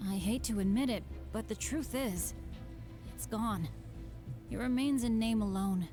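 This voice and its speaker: A woman's voice: fairly high pitch, measured pace, dark tone, soft background music, lightly acted. A woman voicing an earnest, good-hearted, unlucky teenage boy adventurer in a video game. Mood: downcast, resigned. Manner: boyish, earnest. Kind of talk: video game character voice acting.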